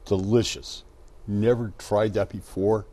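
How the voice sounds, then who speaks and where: A man's voice: fairly low pitch, steady tone, unhurried, mellow. A man on a restaurant review panel, enthusiastic and restarting his sentences often. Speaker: show panelist.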